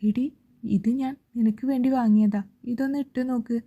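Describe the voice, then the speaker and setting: Storybook role: caring young friend, read by a woman, gentle, dull lo-fi audio. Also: a little high, steady tone, normal speed.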